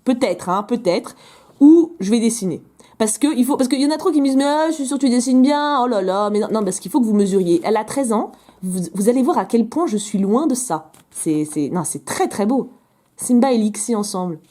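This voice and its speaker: A woman opening fan mail in a casual vlog, chatty and gushing, her voice still rough from being sick. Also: on the high side, lively intonation, fairly quick, dark tone. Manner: chatty, gushing over drawings, interrupts herself. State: recovering from illness, voice a bit rough.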